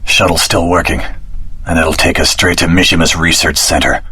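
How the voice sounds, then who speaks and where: An actor playing an earnest, determined young hero in a video game, with a dramatic, heroic delivery. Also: male voice, sits low, steady tone, moderate pace, sharp tone, slightly rough, full character voice. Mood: focused.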